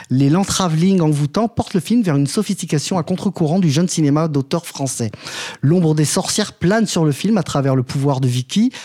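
A man's voice: on the high side, dark tone. A man presenting a prepared film review on a radio show, with a few hesitations. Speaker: film critic.

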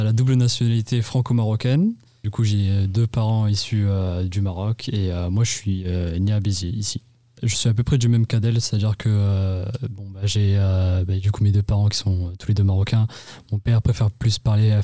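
A teenage boy answers questions for a school radio show, hesitating and filling pauses often. His voice is low, flat and mellow, and the recording is dry and close. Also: dry recording. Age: teens. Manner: halting, many fillers. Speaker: student guest.

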